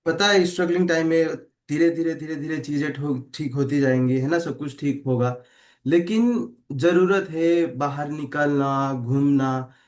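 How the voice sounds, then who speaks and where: Young man in his twenties, slightly high voice, halting participant sharing his story. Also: darkish tone. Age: 20s. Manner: hesitant, searching for words. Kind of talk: casual personal sharing.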